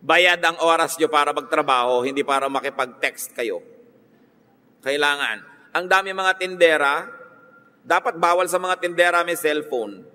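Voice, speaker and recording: With a long reverb tail trailing his words, a male pastor with a Filipino accent preaches at a moderate pace in a voice on the high side. He teases playfully, mixes in English, and acts out mock voices in the church.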